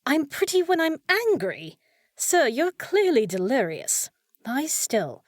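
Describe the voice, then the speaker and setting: A woman's voice: sits high, very animated, takes it slowly, dry recording, studio quality, exaggerated voice. A woman playing a short, fussy young village housekeeper in a fantasy audio roleplay, proper and easily flustered, scolding yet caring. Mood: exasperated. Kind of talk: scripted fantasy audio roleplay, spoken to listener.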